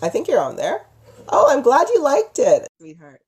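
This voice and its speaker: Her voice sits high and swoops wildly in pitch, with a darkish tone and a moderate pace. She's a livestream host, storyteller and psychic healer who gushes casually at her viewers and showers them with affectionate pet names.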